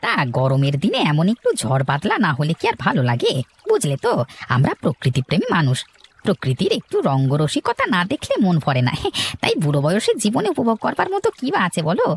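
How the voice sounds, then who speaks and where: A man voicing a jovial, pious old gentleman in a cartoon story, husky and rambling. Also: sits high, huge pitch swings, a little fast, heavily acted. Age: older. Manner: rambling, chuckling, exclamatory.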